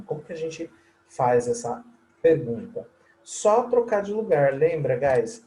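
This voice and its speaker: Slow-paced Brazilian English teacher. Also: male voice, a little high, darkish tone, poor audio. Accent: Brazilian Portuguese. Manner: explains in Portuguese, models English sentences slowly; friendly, checks in with "tá?" and "guys". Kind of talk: recorded language lesson.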